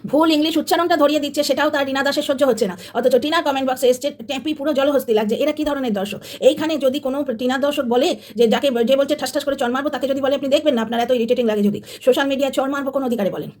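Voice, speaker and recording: A woman's voice: high-pitched, rapid-fire, hardly any pauses, a little mellow. A woman hosting a commentary channel, delivering a combative, sarcastic monologue that speaks straight to her viewers.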